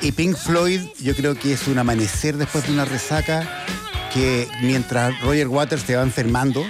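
A Chilean man co-hosting a music talk show, giving lively and opinionated takes with frequent fillers. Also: mid-range voice, normal speed. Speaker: music commentator co-host. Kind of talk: casual live-stream radio chat.

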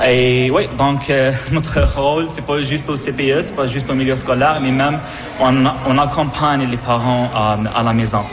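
A man's voice: mid-range voice, fairly even intonation, moderate pace. Hesitant male childcare director. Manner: hesitant, frequent filler sounds. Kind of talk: interview answers. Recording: music playing behind.

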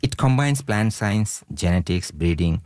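Deep-voiced man. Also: lively intonation, measured pace, darkish tone, no echo. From Bangladesh. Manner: earnest, many "you know" fillers and restarts. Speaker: scientist, event organizer. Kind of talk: radio interview guest.

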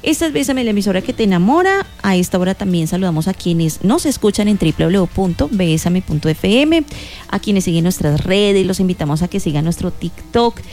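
A woman co-hosting a morning radio show, speaking in an encouraging way about blessings and good wishes. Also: mid-range voice. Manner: warm, uplifting, speaks of blessings. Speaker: radio co-host. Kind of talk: casual morning radio chat.

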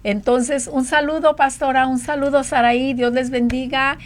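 A woman's voice: high voice, little pitch movement, normal speed, a little hiss or hum. A woman hosting a Christian radio talk, chatting with a guest and then leading a fervent prayer. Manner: fervent praying, many fillers. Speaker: radio show host.

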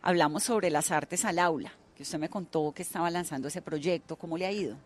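A woman's voice: fairly low pitch, fairly quick. A woman radio journalist, hosting an interview in an effusive, chatty, gushing way.

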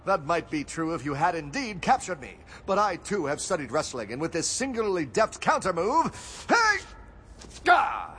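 A man's voice: on the high side, sing-song, moderate pace, fairly bright tone, slight background noise. An actor playing a pompous, self-assured male superhero who talks in an over-articulate way. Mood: heroic bluster. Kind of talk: comedy audio drama.

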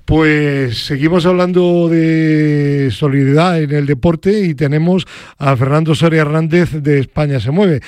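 A man's voice: fairly high pitch, fairly even intonation, unhurried, a little mellow. A man from Granada hosting an interview, chatty and hesitant with frequent fillers. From Granada, Spain. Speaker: radio host.

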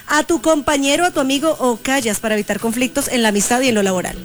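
A woman's voice: sits high, quick pace. A woman from Colombia with a Mexico City accent, hosting a playful morning radio show and talking straight to the listeners. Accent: Mexico City Spanish. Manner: playful, chatty, addresses listeners directly. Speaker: radio host. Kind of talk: lively morning radio chat.

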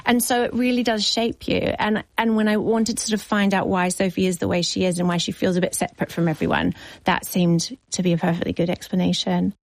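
A woman's voice: lowish voice, flat delivery, brisk, dry recording, low-quality recording. Effusive New woman novelist. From New Zealand. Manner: warm, effusive, thinks aloud with many asides. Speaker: novelist interviewed as a guest. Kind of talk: reflective radio interview.

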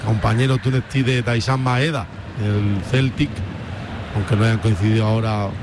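A man's voice: lowish voice, steady tone, moderate pace. A man from as co-commentator on a football broadcast, laying out player and club details at length. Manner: detailed, fact-heavy explanations. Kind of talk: football analysis on air. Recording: noisy broadcast with background hum.

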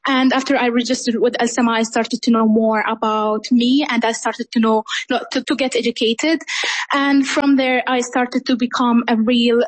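An eighteen-year-old woman from Syria speaking earnestly over a phone line in a radio interview, sometimes halting and repeating words. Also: a little high, fairly even intonation. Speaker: interview guest.

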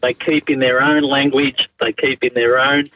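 A man's voice: medium pitch, little pitch movement, normal speed, no room sound, phone-quality sound. Blunt Australian man calling in. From Spain. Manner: blunt, matey. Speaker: caller.

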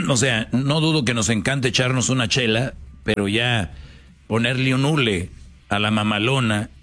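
A man's voice: medium pitch, a little slow, fairly bright tone. A man with a Mexican accent giving casual commentary as a show host, slangy and lecturing, with hesitant restarts.

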